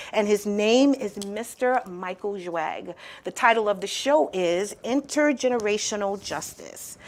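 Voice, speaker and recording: A woman hosting a talk show, giving an effusive introduction of her guest and interviewing him. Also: mid-range voice. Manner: warm, effusive, many affirming "wow" and "mm-hmm".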